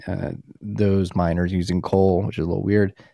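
Very deep and low, a man's voice has a dark, mellow tone. The recording is very clean with a silent background, and the sound is dry and close with no echo. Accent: American. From Philadelphia area, Pennsylvania. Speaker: podcast host. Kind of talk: casual chat. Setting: live stream recording. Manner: animated.

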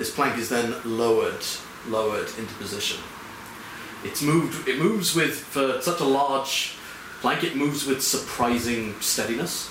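A man with a fairly high pitch uses a theatrical, playful tone and ordinary pitch variation. Long, frequent pauses break up his speech over noticeable background noise. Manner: vivid, theatrical storytelling with hesitant, filler-laden pauses and playful asides; slow, suspenseful scene-setting that builds to dramatic reveals.

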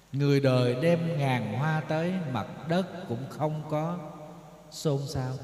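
Amid noticeable background noise and audible room echo, a man talks at a very slow pace with fairly high pitch and ordinary pitch variation. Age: 40s. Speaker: Buddhist monk, dharma teacher. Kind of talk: dharma talk. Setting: temple retreat with audience. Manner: animated storytelling.

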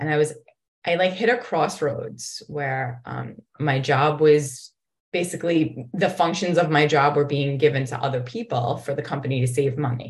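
A woman's very deep, low voice, somewhat breathy, at a moderate pace with ordinary pitch variation. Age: 30s. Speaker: nutrition coach and yoga instructor. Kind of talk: casual interview.

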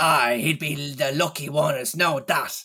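This is a put-on character voice, raspy and low-to-middle in pitch. It moves at a moderate pace.

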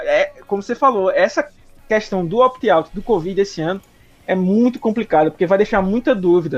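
Music plays in the background as a man speaks with a northeastern Brazilian accent. His high-pitched voice moves at a moderate pace with lively intonation. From Brazilian Northeast. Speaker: NFL draft analyst. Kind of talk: casual chat.

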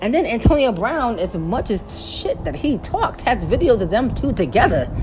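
A woman's fairly high voice with very wide pitch swings at a fairly slow pace, amid noticeable background noise and audible room echo. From US Northeast, Tri-State area. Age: 40s. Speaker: podcast host. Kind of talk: casual solo monologue. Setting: outdoors on a balcony.

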